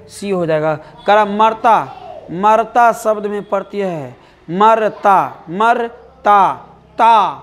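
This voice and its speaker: A male teacher with a Bihari accent giving an exam-prep lesson. He repeats words over and over and keeps asking his students questions, calling them "dear". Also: high voice. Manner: drills answers, repeating words and asking the class.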